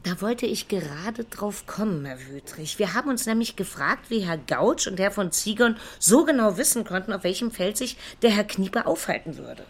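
A woman playing a composed, persistent police investigator in a crime radio drama, with a measured, formal, probing way of speaking. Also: medium pitch, lively intonation, breathy edge. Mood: probing, controlled.

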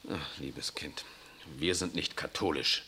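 A gloomy, weary father in an old radio drama. His voice is very low and husky, with a bitter, commanding edge that sinks into resignation. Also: slow, sharp tone, full character voice. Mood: weary scorn. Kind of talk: 1960s German radio drama acting. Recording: 1963 archive radio recording.

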